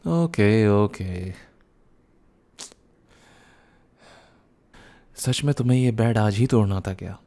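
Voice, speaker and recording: A man's voice: lowish voice, normal speed, warm tone, lightly acted. A young man playing a teasing, playful and cheekily bossy young husband who gets flustered, in a boyfriend ASMR roleplay, mixing in some English. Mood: smug, playful. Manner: teasing, repeats words, mixes in English.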